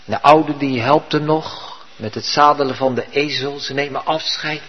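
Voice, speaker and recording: A male pastor preaches in a husky voice, telling the story vividly and earnestly. The recording is dull and muffled, with a long church reverb behind every phrase. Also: medium pitch, steady tone, normal speed. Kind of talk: sermon.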